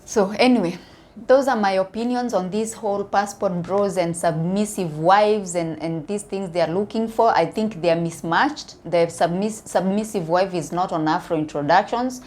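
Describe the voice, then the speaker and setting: A woman from Kenya comments in online videos, telling viewers her opinions in a casual, halting style and repeating words for emphasis. She has a Kenyan accent and a medium-pitched voice with a darkish tone.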